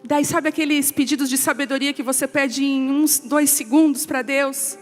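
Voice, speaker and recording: A woman pastor giving an emotional testimony sermon, telling a family story and quoting relatives in a softer voice. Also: high-pitched, steady tone, normal speed. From Brazil. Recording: long hall reverb with soft music.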